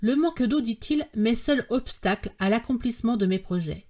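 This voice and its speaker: A woman voicing a stubborn, fiery old male professor in an audiobook, talking forcefully and insistently. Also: on the high side, animated, moderate pace. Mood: calm, commanding. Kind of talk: audiobook character reading.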